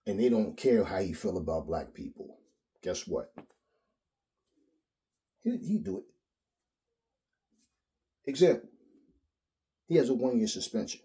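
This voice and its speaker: A man with a lowish, mellow voice, ranting on his own about boxing. He talks bluntly and profanely, with lots of animated emphasis. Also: a little slow, pauses often. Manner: blunt, profane, animated, mimics others in quotes. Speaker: boxing commentary host. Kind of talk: opinionated solo rant.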